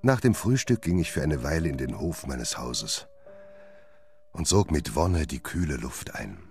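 A male actor plays a haunted gentleman doctor with an extremely low voice. He recounts his undoing gravely and formally over background music, as in an audio drama. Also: big pitch swings, heavily acted. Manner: grave, measured, literary. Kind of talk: dramatic first-person narration in a radio play.

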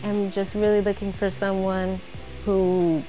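A woman's voice: mid-range voice, level tone, unhurried, mellow, soft background music. A young woman giving casual answers as a contestant on a studio dating show. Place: white studio.

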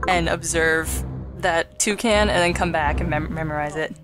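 A woman's voice: low-pitched, moderate pace. A woman hosting a let's play with casual, playful, sweary game commentary. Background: game music and sounds.

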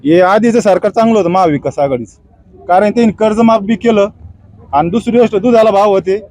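A man with a high-pitched voice answers a street interview and airs his complaints in an earnest, halting way. The sound is dry and close. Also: darkish tone, dry recording. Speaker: villager interviewed.

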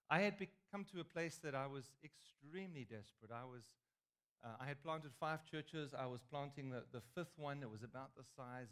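A man in his forties with a South African accent, preaching on a church stage and telling a story in a lively, joking way. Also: medium pitch. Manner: lively, chatty, joking asides. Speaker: guest preacher. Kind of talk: storytelling sermon. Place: large stage in a church hall.

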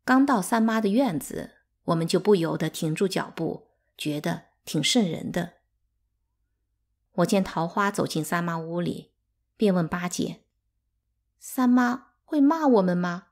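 A woman narrating a novel as a calm bedtime audiobook, in an even, unhurried way. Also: lowish voice. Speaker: audiobook reader.

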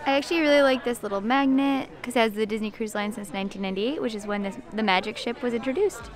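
A woman's voice: on the high side, fast, music in the background, a crowd in the background. Upbeat woman vlogging on a cruise ship. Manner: upbeat, enthusiastic. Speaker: vlog host. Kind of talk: casual travel vlog chat. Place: cruise ship dining room, shops and theater, indoors. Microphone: handheld camera at arm's length.

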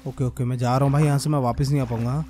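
A young man commenting on his own gameplay as a gaming creator, muttering as he works and then bursting into excited shouts. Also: mid-range voice, racing, slight background noise. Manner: talks to himself and viewers, swings from muttering to excited shouts. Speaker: gaming YouTuber.

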